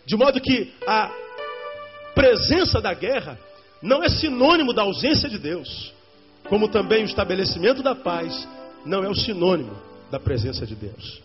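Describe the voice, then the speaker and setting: A man's voice: high-pitched, very animated, normal speed. A male pastor preaching a sermon, addressing the congregation directly and repeating key lines for emphasis. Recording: dull lo-fi sermon recording with faint music.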